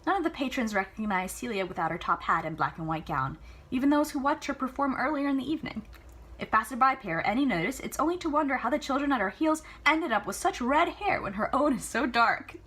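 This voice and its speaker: A woman reading a novel aloud in an enthusiastic, chatty way, adding casual asides and reactions, with a husky voice. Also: high voice, animated, fast talker, a bit bright. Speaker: amateur book reader.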